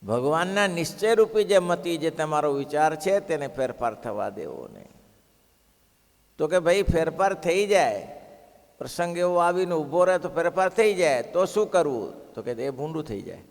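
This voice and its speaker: A man's voice: fairly high pitch, moderate pace, vocal fry. A man giving a devotional sermon, telling stories expressively and asking the listeners rhetorical questions. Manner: expressive, rhetorical questions, acts out quoted villagers. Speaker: religious discourse speaker. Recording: long hall reverb.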